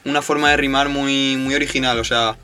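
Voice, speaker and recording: A young man chatting on a music podcast, his voice bright and forward. He talks in loose, slangy, enthusiastic bursts. The feel is relaxed and conversational. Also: mid-range voice, a little fast. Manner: slangy, enthusiastic, says "hermano" and "tío". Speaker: podcast co-host. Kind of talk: casual chat.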